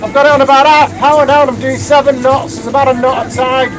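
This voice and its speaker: Man, forties, chatty boat vlogger, high voice, outdoors on a sailboat, wind noise, loud music. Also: fairly even intonation, fast talker, a crowd in the background. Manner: rambling, sweary, chatty. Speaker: vlog host. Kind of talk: casual live sailing vlog. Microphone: phone at arm's length. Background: boat engine, wind and music.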